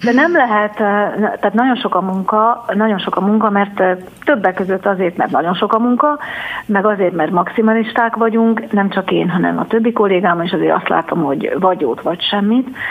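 A woman with a medium pitch talks at a moderate pace, her loudness very even and her pitch variation ordinary, over noticeable background noise. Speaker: film director and festival director. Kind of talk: radio interview. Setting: phone call. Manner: animated.

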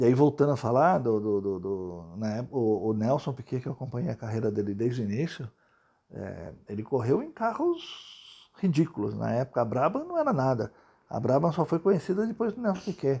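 Very wide pitch swings in a man's dark, mellow tone. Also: medium pitch for a man, moderate pace. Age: 50s. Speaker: host's father, guest. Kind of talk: casual chat.

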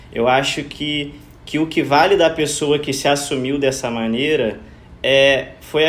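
The room echo is audible around a man's fairly high-pitched voice. His intonation stays fairly even. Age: 30s. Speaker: yoga teacher. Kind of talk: casual chat.

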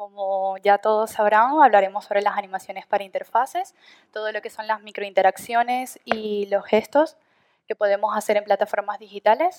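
In a normal speaking voice, a woman with a fairly high pitch talks at a moderate pace with fairly even intonation, the sound dry and close with no echo. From Venezuela. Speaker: UX designer. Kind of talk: lecture.

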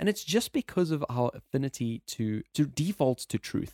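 An ordinary speaking voice at a fairly quick pace, with lively intonation and a dry, close sound free of echo. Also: man. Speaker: podcast co-host. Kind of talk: casual chat. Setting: video call recorded for YouTube.

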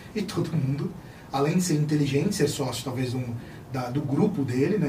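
Speaking very fast, a man with a fairly high pitch and ordinary pitch variation is heard with audible room echo. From Brazil, São Paulo. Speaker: company founder. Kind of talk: interview.

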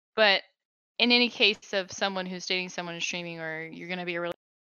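Speaking at a medium pitch with ordinary pitch variation, a woman has an unremarkable speaking voice. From Arizona. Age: 20s. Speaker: streamer. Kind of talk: casual chat. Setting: online call.

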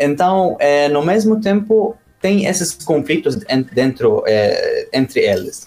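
A man talks very slowly as music plays in the background. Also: very even loudness. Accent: Arabic. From Lebanon. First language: Arabic (speaking Portuguese). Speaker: journalist, foreign correspondent. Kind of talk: interview. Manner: halting, many fillers and repetitions.

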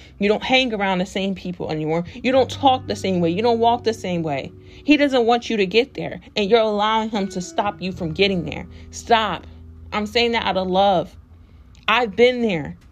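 A woman with an American accent speaks in an animated tone with ordinary pitch variation, music playing in the background. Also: medium pitch for a woman. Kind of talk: devotional talk and prayer. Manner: fast talker.

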